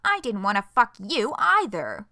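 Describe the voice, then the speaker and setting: A woman's voice: a little high, wildly swooping pitch, a little slow, pushed and bright, no room sound, studio quality, heavily acted. A woman voicing a bitter, sarcastic young woman snapping at a friend. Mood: snapping back.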